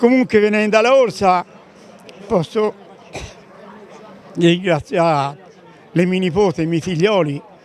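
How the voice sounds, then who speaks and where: Against crowd noise in the background, a man with a high pitch talks at a fairly slow pace with ordinary pitch variation. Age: 80s+. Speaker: race organizer. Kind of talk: interview. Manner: halting.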